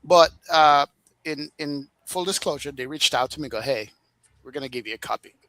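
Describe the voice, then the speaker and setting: Jamaican-accented male guest, lively storyteller, slightly high voice, dry recording. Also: fairly quick, no room sound, low-quality recording. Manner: animated storyteller, laughs often, emphatic. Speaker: guest flight sim streamer. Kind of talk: casual podcast chat.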